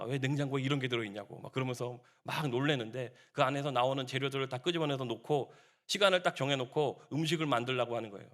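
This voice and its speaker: A man's voice: medium pitch, fairly bright tone. A man preaching a dawn sermon as pastor, exhorting the congregation with rising emphatic appeals. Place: church sanctuary.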